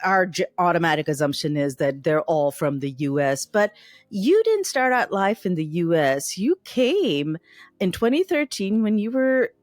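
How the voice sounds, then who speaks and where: A woman's voice: on the low side, very animated, normal speed, dry recording. A woman hosting a podcast interview, chatty and prompting her guest, with frequent backchannel responses. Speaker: podcast host. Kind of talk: conversational interview.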